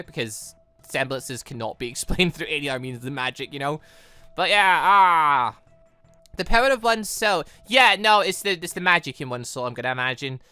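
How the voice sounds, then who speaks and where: A man's voice: a little high, pushed and bright, dry recording. A man doing let's play commentary, rambling and thinking aloud as he goes. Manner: rambling, thinking aloud, stumbling over read lines. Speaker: gaming channel host.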